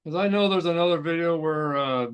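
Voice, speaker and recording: A man hosting a music news show, speaking in a casual, off-the-cuff way with halting, rambling delivery and repeated phrases. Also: fairly high pitch, smooth. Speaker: host of a heavy metal news show.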